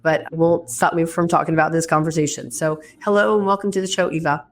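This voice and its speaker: Talking fast in a low voice with fairly even intonation, a woman hosts a casual interview podcast from a hotel room. Despite a stuffy, head-cold sound, she comes across as chatty and enthusiastic.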